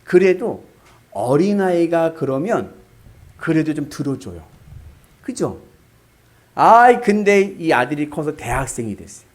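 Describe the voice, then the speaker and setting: Animated male pastor, high-pitched, sermon delivery. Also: unhurried, long pauses. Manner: animated, rhetorical questions to the congregation.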